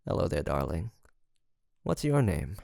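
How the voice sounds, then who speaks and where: A man's voice: low voice, sing-song, measured pace, gravelly, darkish tone, no room sound, clean studio sound, heavily acted. A man playing a seductive, teasing incubus demon in an intimate audio roleplay, with a theatrical, flirtatious drawl and a smug, sweet-talking manner. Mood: teasing, amused.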